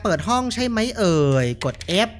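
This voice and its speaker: A man's voice: moderate pace, a little hiss or hum. A man giving casual, jokey commentary while playing a horror game. He chats freely, reads out what he finds and laughs often. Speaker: gaming streamer.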